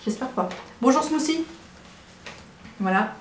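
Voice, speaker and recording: She takes it slowly, her high voice expressive, as this early-twenties vlogger from Brittany, France, presents herself to camera in a casual, rambling and hesitant way, repeating herself. She's in a small living room at home, indoors. A compact camera on a tripod about a metre away records the echoey room and its clear background noise.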